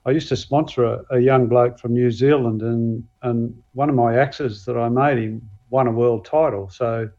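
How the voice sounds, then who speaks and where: An Australian man chats in a modest, halting way, filling pauses with "um" as he gathers his thoughts. His voice sits at an ordinary pitch for a man. The audio is a little dull, as if sent over a remote link. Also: steady tone, dark tone. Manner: modest, hesitant, many fillers and restarts. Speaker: guest axe and knife maker. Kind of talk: casual podcast chat.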